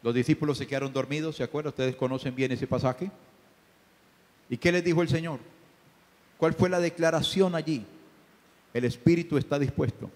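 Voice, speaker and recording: A man's voice: on the high side, a little fast, pauses often. Man preaching in a reverberant church. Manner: preaching with sudden shouted peaks and hushed asides; addresses congregation directly with rhetorical questions. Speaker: pastor. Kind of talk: sermon. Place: church sanctuary.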